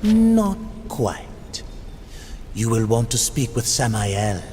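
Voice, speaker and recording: A man's voice: medium pitch, big pitch swings, slow pace, darkish tone. An actor playing a smug, haughty male demon sorcerer in a video game, drawling theatrically with condescension. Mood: smug, aloof. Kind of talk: video game cutscene acting. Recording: long reverb, noisy backdrop.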